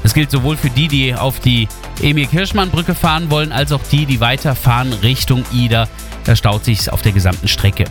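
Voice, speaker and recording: Over a music bed, a male radio host at medium pitch and normal speed chats through traffic and weather reports. He speaks directly to his listeners from a studio microphone.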